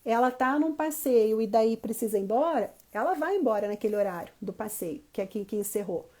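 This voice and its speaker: A young woman with a mellow, slightly high voice talks through parenting advice straight to her audience. Her tone is explanatory and patient, and she keeps checking in with a quick "tá?" between points. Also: animated. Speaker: parenting educator. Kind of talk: casual advice talk to camera.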